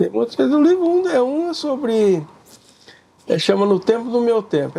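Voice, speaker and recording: Dark and mellow, a man's voice fills the clip. He uses lively intonation. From Brazil, interior of São Paulo (Mococa). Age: 80s+. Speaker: retired teacher, justice of the peace, former councilman. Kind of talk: interview. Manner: halting, with repetitions.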